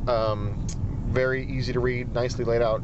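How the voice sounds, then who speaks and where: Loud background noise surrounds a man whose sound is dry with no echo. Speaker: car owner reviewer. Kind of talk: casual review commentary. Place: car.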